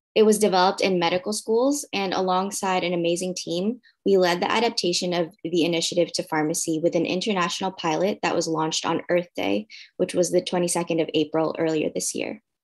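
Speaking at a fairly quick pace, a woman has an ordinary speaking voice with fairly low pitch, ordinary pitch variation, and a quiet background. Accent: American. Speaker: pharmacist. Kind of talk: conference presentation. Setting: video call.

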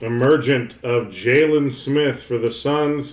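Audible room echo surrounds a man talking at a very slow pace with ordinary pitch variation. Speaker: card breaker livestream host. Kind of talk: casual live card break. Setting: live stream video. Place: studio.

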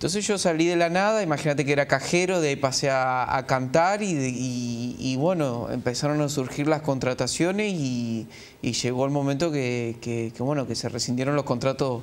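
A man speaks in a Rioplatense accent at medium pitch. His pitch varies in an ordinary way. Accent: Argentine Spanish (rioplatense). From Entre Ríos, Argentina. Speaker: singer and singing teacher; singing teacher. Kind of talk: TV interview. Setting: TV studio. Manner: halting, repeats words. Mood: relaxed, smiling, animated. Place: studio. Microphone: lapel.

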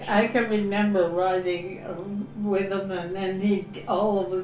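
With clear music in the background and audible room echo, a woman speaks at a very slow pace with fairly even intonation. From Galt, Ontario, Canada. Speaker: interviewee sharing life memories. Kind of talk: interview answer. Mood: warm, amused reminiscing. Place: home room.

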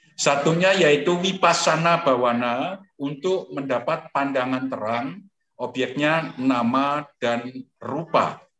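A man speaks at a very slow pace with ordinary pitch variation. There is audible room echo and light background noise. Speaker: meditation teacher. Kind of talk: lecture. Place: home room. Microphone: video call.

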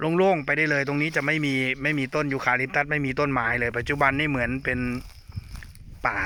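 A man speaks at a fairly high pitch with fairly even intonation. Noticeable background noise runs behind him. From Sisaket, northeastern Thailand (Isan). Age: 40s. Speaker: travel vlogger. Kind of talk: vlog narration.

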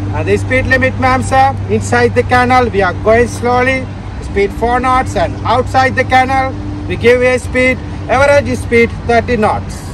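The speech moves at a moderate pace with noticeable background noise. The sound is dry, with no echo. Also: man. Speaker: boat tour guide. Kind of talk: safety briefing to passengers. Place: boat. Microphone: camera far.

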